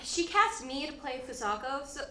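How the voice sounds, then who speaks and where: A woman's voice: high voice, sing-song, normal speed, sharp tone, roomy sound, slight background noise, exaggerated voice. A woman playing a defensive young actress. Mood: argumentative. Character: young Chinese American actress, defensive and sharp. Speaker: Fusako's actress. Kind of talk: staged reading of a play.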